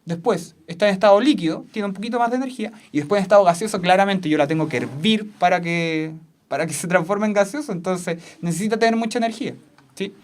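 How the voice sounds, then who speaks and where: A substitute physics teacher gives a classroom lesson at a whiteboard. The teacher repeats each key point several times, keeps checking in with the class, and laughs easily. The voice sits at a middle pitch. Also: fast.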